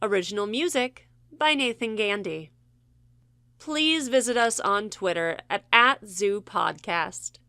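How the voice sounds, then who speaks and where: A woman delivers scripted announcements with lively, swooping intonation. Her voice is bright and crisp-edged and a touch high. The sound is dry, with no room to it. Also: no room sound. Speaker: credits announcer. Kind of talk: scripted narration.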